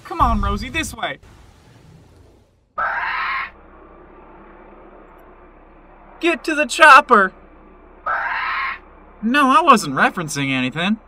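A man's voice: very high-pitched, very animated, moderate pace, bright, forceful tone, slight background noise, exaggerated voice. A man playing an earnest, naive young chicken farmer in a comedic audio drama. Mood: urgent alarm.

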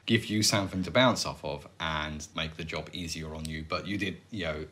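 A man's voice: a bass voice, normal speed, a bit bright. A man. He banters casually as a podcast co-host, dry and teasing in his delivery. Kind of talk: casual banter over bloopers.

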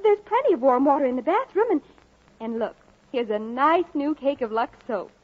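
An actress playing a sweet-talking young roommate in a 1940s radio commercial. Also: female voice, high-pitched, animated, normal speed. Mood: coaxing. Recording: thin, tinny 1940s radio recording.

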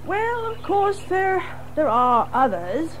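A woman's voice: very high-pitched, very animated, takes it slowly, faint music behind, full character voice, low-quality recording. A woman playing a chatty, friendly water rat in a children's audio drama, hearty and exclamatory. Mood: confiding. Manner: hearty, exclamatory, chuckling and hesitating.

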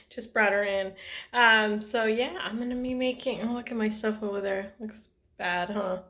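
A woman's voice: medium pitch, steady tone, a little slow, pushed and bright. A woman vlogging casually from her home, rambling with lots of fillers and little laughs as she vents her frustration. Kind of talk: casual vlog chat.

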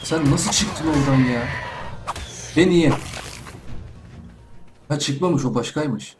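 A man's voice: mid-range voice, normal speed, over music. A young man giving casual let's play commentary from home, chatting to himself and the animals in the game. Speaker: gaming YouTuber.

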